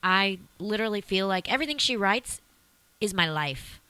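A woman's voice: mid-range voice, animated, pushed and bright, dry recording. A woman from East Texas, chatting as an interview guest with lots of fillers. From East Texas, USA. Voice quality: raspy voice. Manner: chatty, fast storytelling with many fillers. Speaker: guest singer. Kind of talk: casual interview chat.

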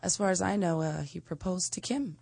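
A woman's voice: lowish voice, normal speed, gravelly, darkish tone, slightly rough, dry recording, clean studio sound. A woman co-hosting a chat show, teasing her partner with short quips. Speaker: co-host. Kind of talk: casual chat show banter.

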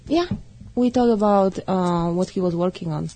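A woman's voice: on the low side, moderate pace, noisy background. A woman from Poland with a Polish accent, answering an interviewer's questions in short, hesitant replies with many fillers. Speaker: interview guest. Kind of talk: casual interview chat.

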